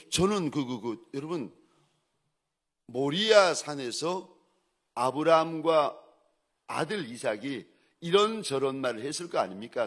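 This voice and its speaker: A man's voice: a little high, a bit bright. A man preaching a sermon as pastor, telling stories animatedly, acting out quoted dialogue and building emphatic repeated lists. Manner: emphatic repetition in rising lists.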